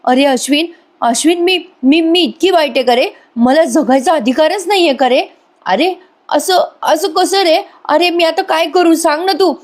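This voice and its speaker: A woman's voice: high voice, moderate pace, voice pushed up, natural voice. A woman voicing a scheming young woman who pleads tearfully, whining and stammering. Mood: tearful pleading.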